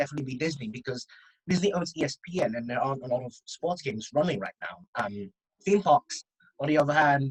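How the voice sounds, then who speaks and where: A man with a fairly high voice talks at a fairly quick pace, a little breathy, with lively intonation and a dry, close sound that has no echo. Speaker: friend of the host, guest. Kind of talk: casual chat. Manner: stammering, repeats words.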